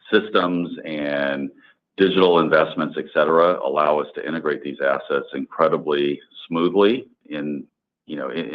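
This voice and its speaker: Very deep-voiced executive on phone line. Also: male voice. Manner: halting, corporate phrasing. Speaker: company executive. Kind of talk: earnings call answers. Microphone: conference call line. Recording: tinny narrow phone line.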